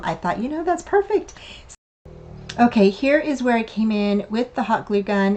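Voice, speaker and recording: Older woman, slightly hoarse, raspy from a cough, rambling craft narration, mid-pitched. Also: darkish tone. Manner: chatty, meandering, with many fillers and restarts. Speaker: craft channel host. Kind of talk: casual craft tutorial narration.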